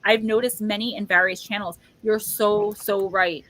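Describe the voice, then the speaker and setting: A woman hosts a casual livestream with tarot reading, chatting and rambling with a heavy use of "like." Her mid-range voice is steady, a bit bright, and moderately paced, though the recording quality is low.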